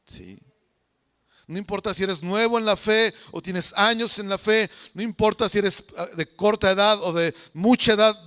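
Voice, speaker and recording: A man's voice: high voice, bright, forceful tone, smooth. A man preaching a conversational sermon as pastor, often putting questions to the congregation. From Mexico.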